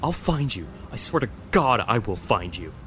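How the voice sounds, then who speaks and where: A man's voice: lowish voice, sing-song, moderate pace, fairly bright tone, a little hiss or hum. An actor playing a desperate, angry son defying his mother's captor in an audio drama, intense and emotional. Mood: furious, threatening.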